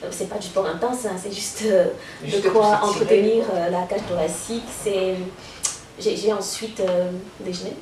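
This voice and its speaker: At a fairly slow pace, a woman speaks in a medium pitch with ordinary pitch variation over noticeable background noise. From Cameroon. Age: young. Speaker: voice-over artist. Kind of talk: interview answer.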